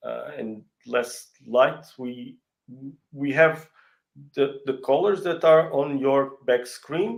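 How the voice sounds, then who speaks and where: Speaking very slowly with long, frequent pauses, a man with a fairly high pitch for a man lets his loudness swing widely. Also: lively intonation. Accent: Portuguese. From Portugal. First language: Portuguese. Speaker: real estate company country head. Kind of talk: interview. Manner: halting, many fillers.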